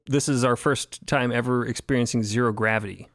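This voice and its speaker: A man's voice: medium pitch, steady tone, a little fast, a bit bright, no echo. Articulate man with a dry, close sound. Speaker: podcast creator and narrator discussing the show. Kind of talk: roundtable discussion.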